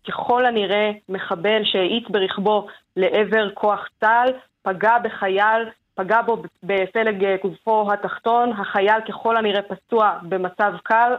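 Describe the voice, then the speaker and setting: A woman reporter gives a brisk, precise breaking news update, repeating the main facts. Her voice comes through a thin, tinny phone line. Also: medium pitch.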